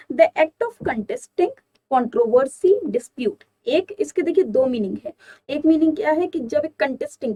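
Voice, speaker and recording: A high-pitched woman teaches exam vocabulary. She explains each word step by step and poses her own questions before answering them. She drawls the example sentences slowly and deliberately. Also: a little mellow, low-quality recording. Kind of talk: exam-prep vocabulary lesson.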